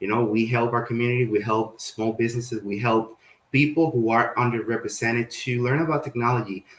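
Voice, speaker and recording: A man at medium pitch, fairly quick pace and fairly even intonation. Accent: Spanish. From Dominican Republic, Baní. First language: Spanish. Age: 20s. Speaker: tech community organizer. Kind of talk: live stream interview.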